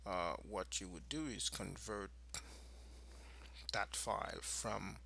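Gravelly, bright-voiced man giving a tutorial. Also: on the low side, takes it slowly, slight background noise. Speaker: programming tutorial presenter. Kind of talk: informal screencast tutorial narration.

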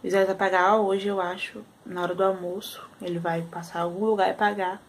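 Mãe brasileira cansada, papo de vlog. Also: female voice, medium pitch, little pitch movement, fairly quick, slight background noise, low-quality recording. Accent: Brazilian. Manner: chatty, sighing, with frequent "ai" and "né". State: tired after a sleepless night. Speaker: vlogger and mother. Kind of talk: casual home vlog. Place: at home.

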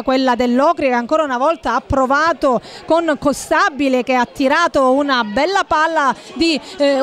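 A woman giving live football commentary in wordy, formal phrasing with frequent hesitations. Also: high-pitched.

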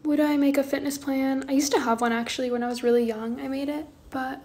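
A woman in her twenties chatting casually on a livestream from her bedroom, soft and drowsy, often trailing off. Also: high voice, steady tone, fast talker. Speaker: livestream host. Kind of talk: casual chat answering viewer comments. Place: small bedroom indoors. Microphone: phone held close, front camera.

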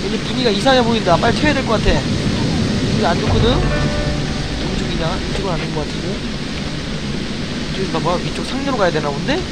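A man doing comic commentary while streaming a game, playfully talking to the characters as if he were their dad and breaking into loud excited shouts. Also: high voice, quick pace, long pauses, very noisy. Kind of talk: comic let's-play commentary. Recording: loud game music behind the voice. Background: game music.

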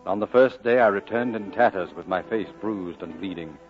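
A man plays a reflective storyteller remembering his childhood in vintage film narration. His voice is low, on a dull soundtrack with soft music behind. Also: moderate pace, natural voice.

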